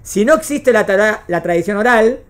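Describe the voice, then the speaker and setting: A woman's voice: mid-range voice, expressive, moderate pace. A woman with a Rioplatense Spanish accent teaching a class, often checking whether her students have understood. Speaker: religious studies teacher. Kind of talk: classroom lecture.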